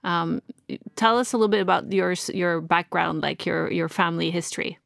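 A woman hosting an interview, asking chatty, curious questions and following up quickly. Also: lowish voice, vocal fry, a bit bright, no echo, clean studio sound. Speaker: interviewer host. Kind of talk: casual interview conversation.

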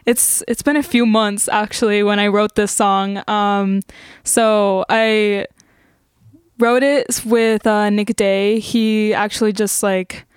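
Slow-talking young woman, very clear voice. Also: medium pitch, flat delivery, no room sound, clean studio sound. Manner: hesitant, frequent "like" filler. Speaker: singer-songwriter guest. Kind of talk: casual interview chat.

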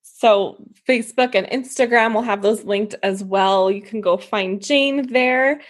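Breathy woman hosting a podcast. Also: mid-range voice, measured pace. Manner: reflective, with frequent "like" and fillers. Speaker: podcast host. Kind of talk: casual interview chat.

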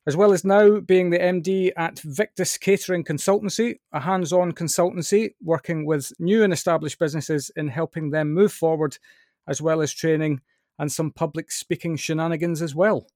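A man from Scotland with a softened Scottish accent, hosting a podcast in a bright, chatty, self-deprecating way. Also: fairly high pitch, fairly even intonation, normal speed, dry recording, studio quality. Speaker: podcast host. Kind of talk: upbeat podcast chat.

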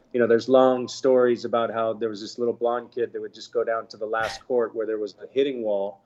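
A man in his fifties from the Bahamas, telling his story in a relaxed, chatty interview with lots of fillers. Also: mid-range voice, lo-fi sound. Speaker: guest, former tennis pro. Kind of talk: casual interview talk.

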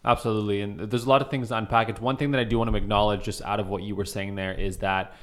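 A man's voice: lowish voice, fairly even intonation, fast talker, fairly bright tone. A man hosting a podcast, talking earnestly and encouragingly about his beliefs. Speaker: podcast host. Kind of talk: casual podcast talk.

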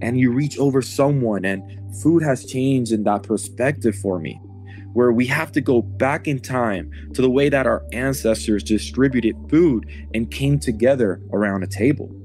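A man's voice: medium pitch, normal speed, darkish tone. A man from Puerto Rico, a chef, speaking earnestly and reflectively in an interview. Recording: faint music underneath.

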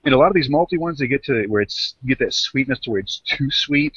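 A man's voice: medium pitch, lively intonation, quick pace, fairly bright tone, slightly rough, dry recording. A man chatting casually at a beer tasting, throwing in wisecracks. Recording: dry, slightly dull lo-fi sound.

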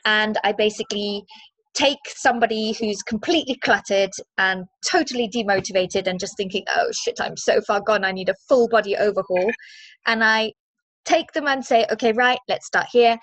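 A woman's voice: mid-range voice, moderate pace, a bit bright, dry recording. A woman in her forties from Zimbabwe, a movement and mindset coach, talking as a guest in an upbeat, chatty way with lots of fillers. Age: 40s. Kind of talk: casual interview chat.

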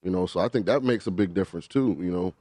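A man's voice: deep voice, fast, mellow, dry recording. An easygoing man chatting on a sports talk panel, filling his talk with "you know". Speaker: panel guest.

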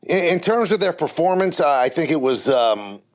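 A man's voice: a little high, sing-song, normal speed. A man speaking as an interview guest, candid and blunt, with vivid comparisons. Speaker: baseball TV play-by-play announcer, guest.

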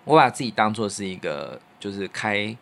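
A man speaks in a fairly low voice with a Taiwanese Mandarin accent. He sounds like a podcast co-host and radio producer thinking aloud in casual conversation. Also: very animated, moderate pace, creaky, fairly bright tone. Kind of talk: casual reflective chat.

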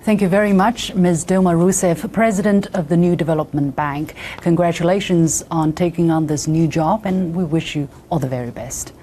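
A woman's voice: lowish voice, fairly even intonation, normal speed, few pauses, mellow, a little hiss or hum. A woman TV news interviewer giving a formal, polished, scripted sign-off. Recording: music under the voice.

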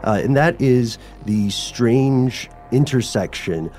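A man hosting a podcast in a conversational style, with measured, slightly formal and wordy phrasing. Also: medium pitch, darkish tone, faint music behind. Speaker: podcast host.

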